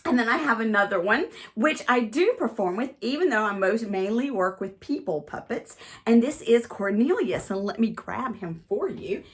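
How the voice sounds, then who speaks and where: A woman's voice: fairly high pitch, expressive, moderate pace. A woman ventriloquist and comedian talking casually in a chatty, rambling way as she demonstrates on a vlog.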